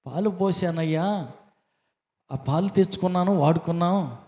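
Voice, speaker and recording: A woman's voice: on the low side, normal speed, warm tone, pitched above the performer's own voice, close to an everyday voice. A male preacher voicing an anxious young wife who pleads with her husband and explains herself at length. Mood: pleading. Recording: dull echoey hall recording.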